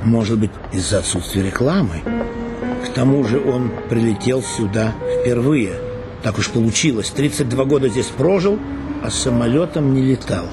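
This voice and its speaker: Male actor, literary reading, measured storytelling, deliberate pauses, mid pitch, music underneath. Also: animated. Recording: reading over background music.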